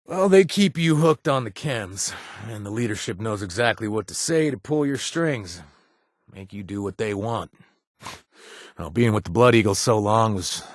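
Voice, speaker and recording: An actor playing a remorseful former gang member and recovering addict who now runs a bar, talking casually with wry asides and trailing hesitations, recorded in a dry booth. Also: male voice, on the low side, dry recording. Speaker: companion character. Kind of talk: video game voice acting.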